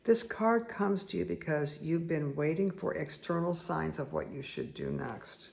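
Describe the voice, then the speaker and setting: A middle-aged woman with a hoarse, croaky voice, slowly reading cards and giving soft, repetitive spiritual guidance. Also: low voice. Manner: slow, soothing, repetitive guidance with asides. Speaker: spiritual reader and meditation guide. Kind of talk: casual spoken card reading.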